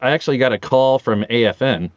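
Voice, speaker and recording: This podcast guest in his forties, a voice actor for audio dramas, speaks quickly at a medium pitch. He's an animated storyteller who performs the quoted lines in his anecdotes; the recording has no room sound and its highs are cut off.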